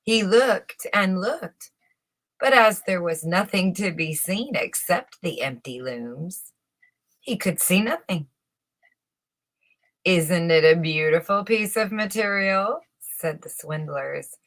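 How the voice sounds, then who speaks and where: Female storyteller for a children's classic, lowish voice, unhurried, expressive scripted narration. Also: vocal fry.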